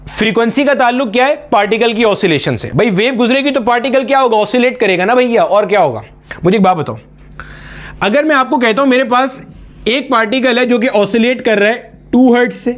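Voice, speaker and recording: High-voiced man teaching physics. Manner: explains step by step, asks students questions and answers them himself; calls students "beta" and "bhaiya" in a familiar way. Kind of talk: exam-prep lecture at a board.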